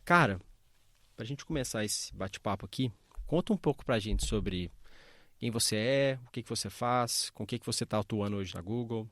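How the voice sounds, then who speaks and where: A man's voice: on the low side, moderate pace, fairly bright tone, no echo, clean studio sound. A man hosting a podcast, upbeat and friendly as he asks open questions. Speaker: podcast host. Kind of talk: podcast interviewing.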